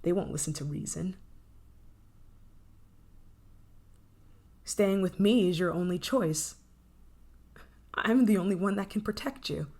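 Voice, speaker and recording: A woman's voice: fairly low pitch, a little mellow. A woman playing an obsessive, menacing scientist in an intense, possessive ASMR roleplay. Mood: menacing, taunting. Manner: intense, pleading, possessive, dramatic pauses. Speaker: voice actor in audio roleplay.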